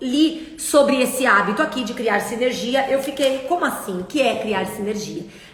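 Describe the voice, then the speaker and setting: Amid noticeable background noise and audible room echo, a woman speaks in a high voice at a moderate pace with ordinary pitch variation. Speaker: life coach / live presenter. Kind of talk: live stream talk to viewers. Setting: live stream.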